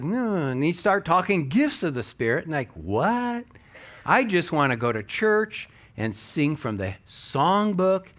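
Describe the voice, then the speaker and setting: An older American man preaches as a pastor. His voice sits a little high and swings widely in pitch. He talks conversationally and leans hard on key words. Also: a bit bright. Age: older, about 60. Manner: conversational, emphatic, acts out imagined objections. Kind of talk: sermon with scripture reading. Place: church stage at a lectern.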